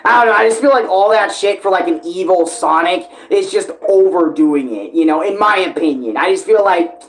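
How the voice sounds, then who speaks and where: A man's voice: high voice, moderate pace, poor audio. Young guy doing a casual fan vlog, rambles a lot, hesitates, swears freely. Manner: informal, sweary, hesitant and digressive. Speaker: online video creator.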